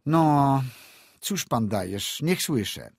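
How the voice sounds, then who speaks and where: A brash young landowner haggles and scoffs in a raised, lively voice, as a male narrator puts him on. The tone rides high and swings widely, with a husky grain. The sound is dry and close, as in an audiobook. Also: takes it slowly, no room sound, full character voice. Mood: haggling. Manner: bluster, bargaining, mocking laughs.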